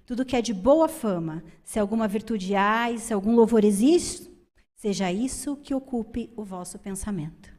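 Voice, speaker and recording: Brief: woman speaker, slightly high voice, animated church talk, asks the room questions. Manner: lively, emphatic, asks the audience questions. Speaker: women's ministry speaker.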